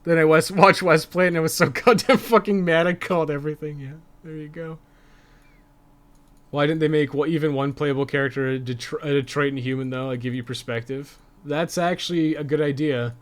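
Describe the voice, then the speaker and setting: A man with a fairly high, fairly even voice chats quickly and casually with viewers during his video game livestream. He is informal and swears freely.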